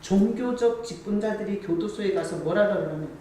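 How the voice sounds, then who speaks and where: A woman's voice: medium pitch, a little fast, warm tone, slight background noise. A woman pastor giving a sermon in a conversational preaching style. She acts out dialogue with God and rises to emphatic points. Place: church sanctuary. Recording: echoey church from a distance.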